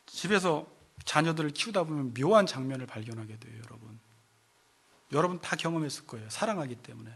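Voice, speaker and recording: 교회에서 설교하는 남성 목사로, 인용하는 말투를 연기하듯 흉내 내며 생동감 있게 말한다. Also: male voice, a little high, fast talker, slightly rough. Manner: animated preaching, acts out quoted voices. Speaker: pastor. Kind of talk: sermon. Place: church sanctuary.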